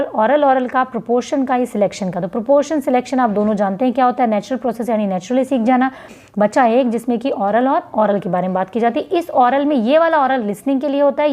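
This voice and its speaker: A young woman with an Indian English accent giving an exam revision lesson. She reads each question slowly in English, then explains it quickly in Hindi. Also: on the high side, dark tone. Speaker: exam-prep teacher.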